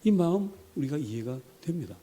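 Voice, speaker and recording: A man's voice: fairly high pitch, sing-song, a little fast, warm tone. Dramatic Korean preacher, man. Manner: dramatic, acts out quotations, rising to emphatic peaks. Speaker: pastor. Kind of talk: sermon. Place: church sanctuary.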